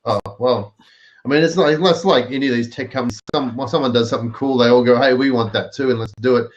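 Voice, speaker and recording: A man's voice: medium pitch, quick pace. Australian male host, easygoing, muffled web audio. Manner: relaxed, explanatory, many fillers. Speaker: live stream show host. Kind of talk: casual chat. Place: home, in the US. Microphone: video call. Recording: dull lo-fi video call audio.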